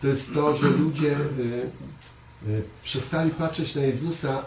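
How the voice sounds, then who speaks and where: A man preaching a conversational sermon to a small congregation, earnest, often repeating words and pausing on fillers. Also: medium pitch, fairly even intonation. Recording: echoey room, voice from far off, faint hiss.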